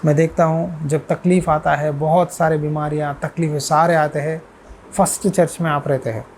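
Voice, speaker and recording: A man's voice: on the high side, flat delivery, moderate pace, darkish tone, a little hiss or hum, rough recording. A male pastor delivering an earnest sermon, repeating words for emphasis.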